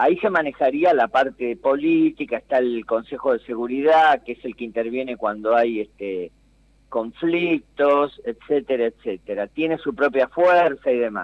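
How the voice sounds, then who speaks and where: In a normal speaking voice, a man talks at a fairly slow pace and medium pitch with lively intonation. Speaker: history columnist. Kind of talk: radio segment talk.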